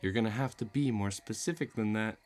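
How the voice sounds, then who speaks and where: A man's voice: on the low side, a little fast, natural voice. A man playing a cocky, menacing villain in a romantic audio roleplay, taunting and self-assured. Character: cocky, menacing male villain, playful but threatening.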